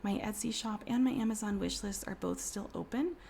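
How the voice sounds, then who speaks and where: A woman in her thirties doing a casual tarot reading, hoarse from a cold, speaking softly and often in a whisper with many fillers. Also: medium pitch, fairly quick, a little hiss or hum. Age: 30s. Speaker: tarot reader.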